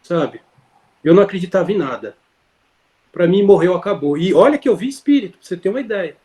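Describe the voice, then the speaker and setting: A high-voiced man tells his story in a loose, conversational way. He circles back, restarts sentences and leans on fillers. The sound comes through a video call. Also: animated, fast talker, warm tone. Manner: rambling, many fillers and self-corrections. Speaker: interview guest.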